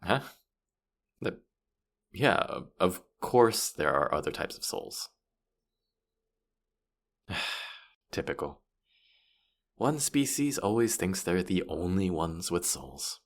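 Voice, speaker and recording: A man's voice: low-pitched, lively intonation, slow, long pauses. A man playing a playful, boastful spirit guide of the afterlife in a fantasy audio roleplay, with teasing, theatrical, mock-sympathetic delivery. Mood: smug, playful.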